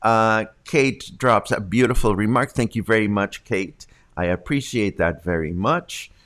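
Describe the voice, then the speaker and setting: A man's voice: on the low side, a little slow, fairly bright tone. Man, 50s, congested news host, casual and chatty, home studio mic. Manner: chatty, reads viewer comments aloud. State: congested from allergies. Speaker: host of a local news livestream. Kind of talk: casual news reading and viewer chat. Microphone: large studio condenser mic.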